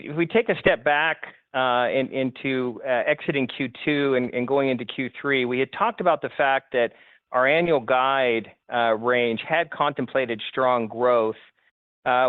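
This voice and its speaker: A man's voice: mid-range voice, clear, resonant tone, no room sound. Businesslike man on a tinny phone line. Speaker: company finance executive. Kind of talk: prepared but spoken answers on an investor conference call.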